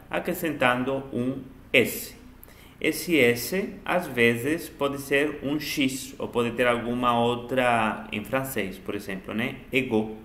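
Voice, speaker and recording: A man's voice: medium pitch, creaky, fairly bright tone. A man in his thirties giving a didactic, explanatory online language lesson from a small room at home. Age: 30s. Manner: didactic, enunciates examples from several languages. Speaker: language teacher giving a mini-course. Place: small home study, indoors. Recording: roomy, echoey home room sound.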